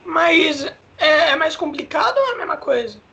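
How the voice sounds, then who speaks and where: A woman's voice: sits high, animated, normal speed, fairly bright tone, muffled recording. A Brazilian woman interviewing a guest in a casual, slangy, eager way. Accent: Brazilian Portuguese.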